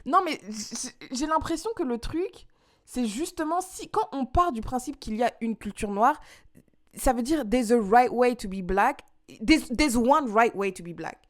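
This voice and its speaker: A woman from France co-hosting a podcast in casual chat, talking in quick rushes with colloquial slang. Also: a little high. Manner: animated, talks fast in rushes, colloquial slang. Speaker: podcast co-host.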